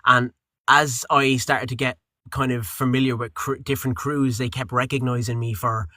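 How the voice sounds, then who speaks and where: Guy voice actor, rambly, lots of ums, bright tone, dead dry sound. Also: mid-range voice, moderate pace, dry recording. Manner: rambling, relaxed, with frequent fillers and restarts. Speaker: voice actor and audiobook narrator. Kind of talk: casual interview chat.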